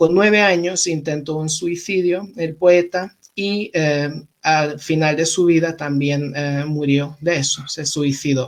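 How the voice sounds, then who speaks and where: Speaking very slowly, a man with a Castilian accent uses a fairly high pitch. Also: fairly even intonation, hardly any pauses. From Hungary. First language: Hungarian (speaking Spanish). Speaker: diplomat. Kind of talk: interview. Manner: halting, many fillers.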